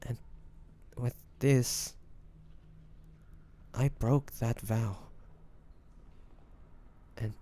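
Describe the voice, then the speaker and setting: A man playing a devoted, anguished young man in an intimate fantasy romance audio drama, speaking haltingly and emotionally with pauses and sighs. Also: mid-range voice, fairly even intonation, dark tone. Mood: guilty, breaking.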